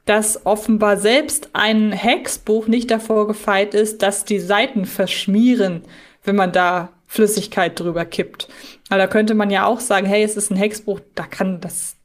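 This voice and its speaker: A woman co-hosting a casual fan podcast, chatting in a wordy, emphatic way. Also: medium pitch. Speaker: podcast co-host.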